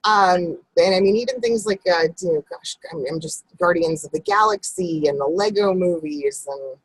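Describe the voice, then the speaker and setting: A woman voiceover coach chatting casually in an interview, animated, with big upward jumps in pitch when she stresses a point. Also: moderate pace, gravelly, husky, dry recording, low-quality recording.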